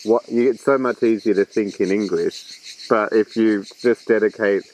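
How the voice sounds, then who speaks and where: A man in his thirties, a guest in a casual chat outdoors, relaxed and agreeable. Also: on the low side, moderate pace, slight background noise, low-quality recording. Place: outdoors in a garden, seated in a hammock.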